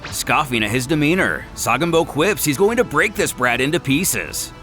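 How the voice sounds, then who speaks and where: A man's voice: on the high side, animated, moderate pace, pushed and bright, faint music behind. A man delivering dramatic scripted narration in a theatrical, emphatic way, as the narrator of a fan story recap.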